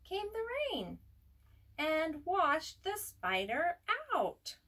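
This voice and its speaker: A woman reading a picture book aloud in an expressive, simple way for young children, as a preschool teacher would. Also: high voice, drawn-out words. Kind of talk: children's storybook read-aloud. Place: at home. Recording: home recording with faint background noise.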